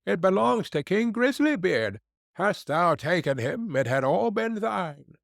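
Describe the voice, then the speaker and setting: A man voicing a rough, plain-spoken travelling fiddler in a read fairy tale. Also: high voice, sing-song, measured pace, no echo, studio quality, pitched above the performer's own voice, heavily acted. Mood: teasing.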